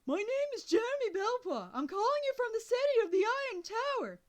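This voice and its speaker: An eager teenage whiz kid talks high and pushes hard, often raising his voice, as a woman reader voices him. His pitch leaps about. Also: big pitch swings, brisk. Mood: shouting. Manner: loud, high and insistent. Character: teenage boy genius, eager, earnest.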